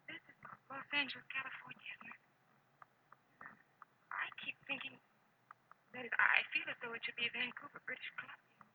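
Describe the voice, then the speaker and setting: An actress playing a frightened, exhausted, confused woman in a 1940s radio drama, speaking haltingly and anxiously. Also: sits high, fairly even intonation, natural voice. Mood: weary, bewildered. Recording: noisy old radio broadcast.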